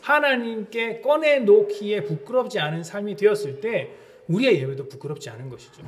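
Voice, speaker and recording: A male pastor preaching a sermon in church. His voice sits a little high and swings widely in pitch. He slows down and lifts his voice when quoting, which gives the talk a dramatic pull. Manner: preaching with lively rises and dramatic slowed quotations.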